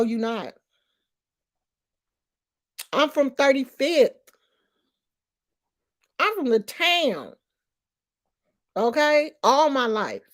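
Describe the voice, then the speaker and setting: Slow-talking emphatic woman in her fifties. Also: fairly high pitch. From Oakland, California. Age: 50s. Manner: emphatic, streetwise storytelling. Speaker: vlogger. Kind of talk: casual commentary vlog.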